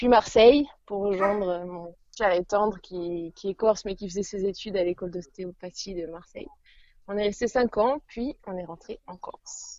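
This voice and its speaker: A woman with an ordinary speaking voice talks at a fairly slow pace, her medium pitch moving with ordinary variation while her loudness swings widely. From Paris region, France. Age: 30s. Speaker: amateur ultra-distance cyclist. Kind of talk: casual interview.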